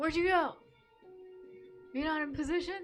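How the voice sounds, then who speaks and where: Doing a put-on character voice, a woman speaks at an extremely high pitch and a fairly quick pace, with fairly even intonation and faint music in the background. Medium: actual play.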